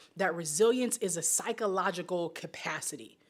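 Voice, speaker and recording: On a very clean recording with a silent background, the speaker talks at a fairly quick pace in an animated tone. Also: woman. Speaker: psychologist and coach. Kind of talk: solo podcast talk. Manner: fast.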